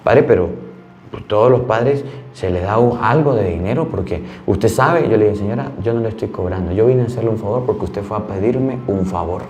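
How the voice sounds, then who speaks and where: A man's voice: fairly low pitch, fairly quick, a little mellow. Man, priest from Venezuela, earnest storytelling sermon, echoey room, faint hum. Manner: storytelling, earnest and plain-spoken.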